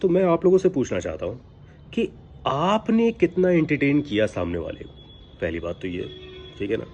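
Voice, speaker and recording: A man's voice: on the low side, dark tone, muffled recording. A man giving informal instructional talk as a voice-over coach, emphatic and admonishing, with rhetorical questions. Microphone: built-in device microphone, no mic attached. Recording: background noise, recorded without external microphone. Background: ambient noise from outside.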